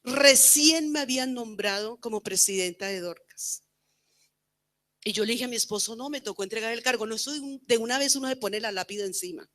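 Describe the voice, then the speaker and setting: A middle-aged woman preaching a personal testimony at a women's church camp, earnest, moving between loud fervent prayer and hushed quiet. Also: a little high, a little fast.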